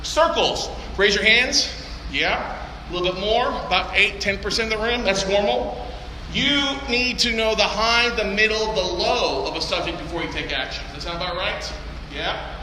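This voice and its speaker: Brash, joking seminar speaker, male, fairly high voice, booming hall with room noise. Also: normal speed. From Texas. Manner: loud, joking and brash, swears casually. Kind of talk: live seminar talk to an audience. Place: large conference hall. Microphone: handheld or stage mic through PA. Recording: echoey hall, noisy room.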